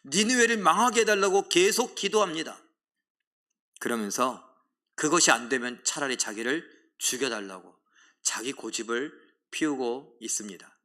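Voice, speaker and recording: A man's voice: medium pitch, animated, normal speed, sharp tone. A middle-aged man preaching a sermon as pastor, dramatically acting out complaints and leading a congregation in reading scripture aloud.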